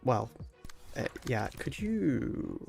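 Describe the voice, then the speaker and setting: A young man with a heavy cold talks through a live stream, his voice nasal and blocked up with a gravelly fry underneath. He keeps his volume down and the energy low, laughing quietly and swearing at the game, while faint game music plays behind him. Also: very animated, very slow. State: stuffy nose from a cold. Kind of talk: casual live-stream chat while playing.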